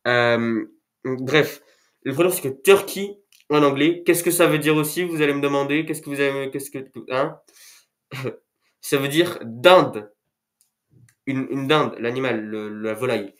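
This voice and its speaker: A man's voice: mid-range voice, unhurried, fairly bright tone. A man with a cold making a casual YouTube video, rambling with self-mocking jokes as he talks to camera indoors. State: has a cold, sniffly. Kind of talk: casual talking-head video. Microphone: camera mic.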